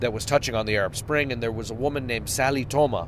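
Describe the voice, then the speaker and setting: Ordinary pitch variation against noticeable background noise. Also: man. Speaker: journalist podcaster. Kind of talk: casual chat. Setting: in a car.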